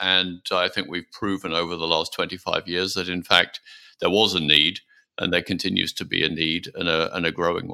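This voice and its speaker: A man with a British accent speaks at a very deep, low pitch with a bright, sharp tone and monotone, flat intonation. His moderate pace comes through on a very clean recording with a silent background. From United Kingdom. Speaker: business partner, consultant. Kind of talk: business podcast conversation.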